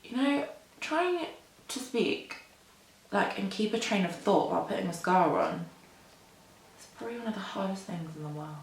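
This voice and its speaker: A woman's voice: mid-range voice, animated, normal speed, gravelly, pauses often, echoey room, a little hiss or hum, low-quality recording. A woman in her twenties, rambling casually to camera while doing her makeup at a mirror, full of "like" and "um" and self-deprecating asides. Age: 20s. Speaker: beauty vlogger. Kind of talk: chatty get-ready-with-me rambling. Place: indoor room at a mirror.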